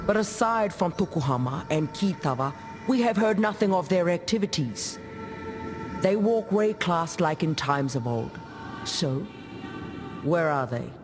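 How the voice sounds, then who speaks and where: A devout tribal warrior spirit from a game, with a notably high male voice. He speaks solemnly and earnestly, weighing each matter gravely. Music is clearly heard underneath. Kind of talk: video game character dialogue.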